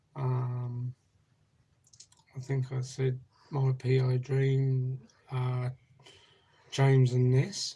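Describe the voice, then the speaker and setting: The voice is somewhat breathy, with a dark, mellow tone and a very slow pace. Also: man. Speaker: vlogger. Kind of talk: casual live stream chat. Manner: soft-spoken.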